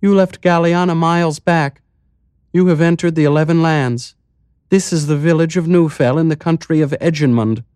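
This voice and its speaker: A man reads her in a raised, lilting register: an unsettling village mayor woman who answers in calm, cryptic riddles. Her voice is hollow and weirdly musical, measured and serene. The sound is close and dry, an audiobook read with no room around it. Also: a little high, clear, resonant tone, no echo, pitched above the performer's own voice, close to an everyday voice. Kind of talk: audiobook character voice.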